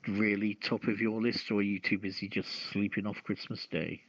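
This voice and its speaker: A man hosting a casual talk show and reading out news in a halting way, on a dull lo-fi voice chat. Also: lowish voice, level tone, a bit bright, no echo. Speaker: host.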